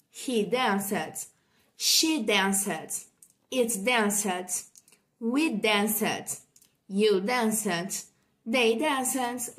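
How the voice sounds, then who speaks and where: Portuguese-speaking lady teaching english grammar, high pitched, keeps fixing her own slips. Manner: patient, repeats points and asks for repetition; frequent slips and self-corrections. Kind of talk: online grammar lesson.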